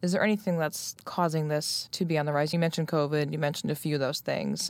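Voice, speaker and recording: Very deep and low in pitch, a woman speaks at a very fast pace with hardly any pauses. Her intonation stays fairly even. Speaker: student podcast host. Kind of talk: interview. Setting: studio.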